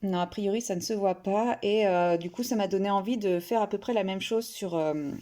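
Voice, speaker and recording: A woman's voice: medium pitch, normal speed, dark tone. A woman vlogger casually showing her finished coloring pages, hesitant, with many fillers and restarts. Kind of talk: casual show-and-tell.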